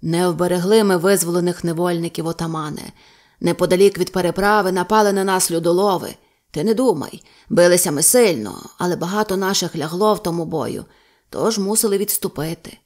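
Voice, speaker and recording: A woman's voice: on the low side, a little fast, a little mellow, close to an everyday voice. A woman voicing a loyal, grave male Cossack comrade, speaking earnestly.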